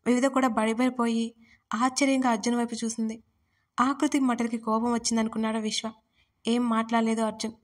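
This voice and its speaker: Female storyteller, steady scripted reading, small voice shifts for characters, narrow pitch. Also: fairly quick. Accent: Telugu.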